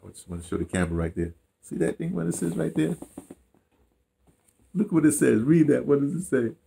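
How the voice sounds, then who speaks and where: An older man with an American accent chats casually, telling stories in an animated, rambling way with repeated phrases and slangy asides. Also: medium pitch, brisk, creaky. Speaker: interviewee, audio dramatist. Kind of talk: casual chat, storytelling. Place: small room indoors, seated.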